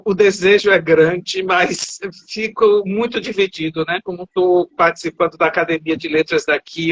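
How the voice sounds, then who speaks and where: Heard over a video call, a high-pitched man with a fairly bright tone is a writer guest from Salvador, Bahia, Brazil, in a live interview. He tends to ramble and fix his sentences partway through; the audio is dry and dull.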